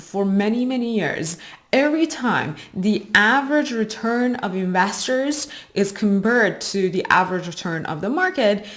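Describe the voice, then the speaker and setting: Woman explaining as an investing host. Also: mid-range voice. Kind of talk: explanatory investing commentary, prepared talk to viewers.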